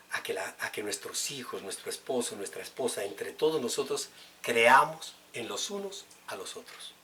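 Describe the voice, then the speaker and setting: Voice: mid-range voice, sharp tone, a little hiss or hum. A preacher giving a sermon, who repeats key words and speaks straight to the congregation.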